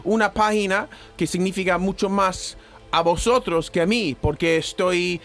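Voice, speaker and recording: A man's voice: high voice, moderate pace, faint music behind. A man who speaks English as his first language, chatting casually as a guest and restarting as he searches for words. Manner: hesitant, restarts while searching for words in Spanish. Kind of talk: casual chat.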